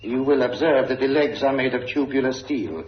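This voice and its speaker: An actor playing Kramer, a cold, sinister villain who gloats with smooth menace, in an old radio drama recording. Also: male voice, medium pitch, normal speed, reverberant, highs cut off, slight background noise, close to an everyday voice. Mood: gloating.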